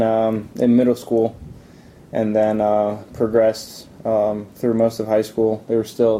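Dark-voiced hesitant young man. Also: on the low side, slight background noise. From Italy. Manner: hesitant, many ums and restarts. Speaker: interviewee. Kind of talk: casual interview answers.

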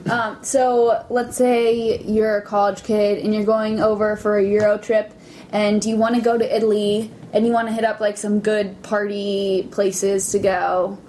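A woman's voice: mid-range voice, little pitch movement, a little slow, mellow, a little hiss or hum. A young woman interviewing someone in an easygoing, curious, casual way.

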